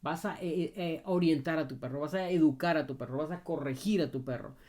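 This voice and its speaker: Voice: medium pitch, brisk, dark tone. A dog trainer answering a viewer's question in a casual advice video, talking straight to the viewer and repeating points with a frequent "ok?". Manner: emphatic and repetitive, often asks "ok?"; talks straight to the viewer in familiar second person.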